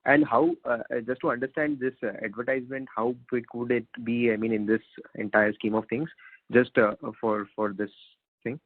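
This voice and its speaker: A man with an Indian accent putting questions as an analyst on an earnings call, halting and repeating himself. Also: medium pitch, steady tone, no room sound. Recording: narrowband phone line.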